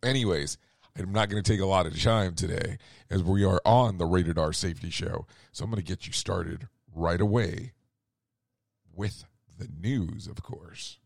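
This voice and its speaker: A man's voice: low voice, normal speed, creaky, no echo, studio quality. A man hosting a radio show and losing his voice, rambling through the news with sarcastic asides and self-corrections. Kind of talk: casual news commentary.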